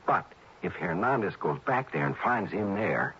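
An actor playing an earnest, worried male friend who explains in halting, hesitant phrases in an old radio drama. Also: sits low, very animated, a bit bright, husky, exaggerated voice. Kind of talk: 1950s-60s radio drama acting. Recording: dull old radio broadcast.

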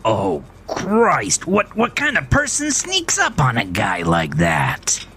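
A man's voice: medium pitch, wildly swooping pitch, takes it slowly, bright, forceful tone, pitched above the performer's own voice, exaggerated voice. A man voicing a gaunt, crude imaginary friend, exasperated and scornful, who needles and snarls in an audio drama. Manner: snarling, hissing, profane needling.

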